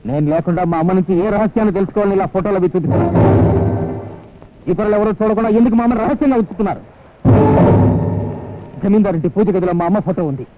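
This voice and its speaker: An actor plays a talkative young servant who flatters nonstop in a high, rapid voice. The sound is thin and phone-like, with film music underneath. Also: male voice, close to an everyday voice. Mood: demanding. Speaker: film hero. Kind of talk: Telugu film dialogue.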